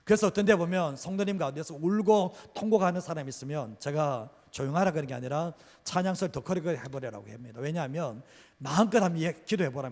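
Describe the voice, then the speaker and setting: Emphatic pastor preaching in a reverberant church. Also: male voice, a little high, a little mellow. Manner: emphatic, repeated rhetorical questions. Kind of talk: sermon. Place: church sanctuary.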